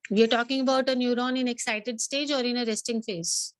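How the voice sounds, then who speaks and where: A woman's voice: on the high side, fairly even intonation, brisk, dry recording. A woman with a South Asian accent teaching an interactive online class, asking questions, repeating points and switching between two languages. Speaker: biology teacher.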